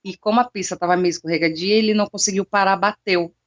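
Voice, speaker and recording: A young woman, telling a personal story in an interview in an emotional, animated way with casual slang. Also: mid-range voice, fast talker. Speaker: interviewee, psychic.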